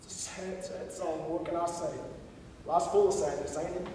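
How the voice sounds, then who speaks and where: A man's voice: a little high, steady tone, moderate pace, noisy background, close to an everyday voice. An actor playing a rowdy, drunk rural man who taunts and brags crudely. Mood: taunting. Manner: taunting, crude, swaggering storyteller. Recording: echoey hall, far from the mic.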